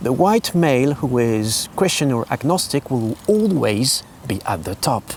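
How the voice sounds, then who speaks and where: With a French accent and very wide pitch swings, a man talks over noticeable background noise. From France. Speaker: sociologist and video essayist. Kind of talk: educational monologue.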